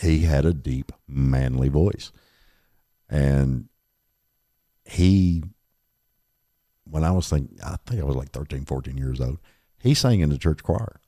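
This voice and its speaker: A middle-aged man with a very deep voice hosting a podcast, chatting in a rambling, laid-back way. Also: lively intonation, slow, pauses often, mellow, dry recording, studio quality. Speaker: podcast host. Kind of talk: casual chat.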